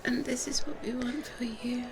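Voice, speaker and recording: A woman voicing a gentle, reassuring female vampire twin in a soft, whispered ASMR roleplay. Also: on the high side, fairly even intonation, normal speed, background noise, close to an everyday voice.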